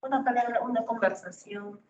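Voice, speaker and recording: A woman's voice: fairly high pitch, a little fast, a little mellow. A woman giving a university lecture, explaining step by step and often checking in with rhetorical questions. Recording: distant, roomy, dull lo-fi recording with faint noise.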